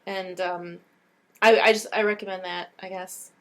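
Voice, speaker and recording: A woman's voice: mid-range voice, level tone, moderate pace. Female co-host for a chat podcast, mid-range voice, informal and enthusiastic delivery. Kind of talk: casual chat.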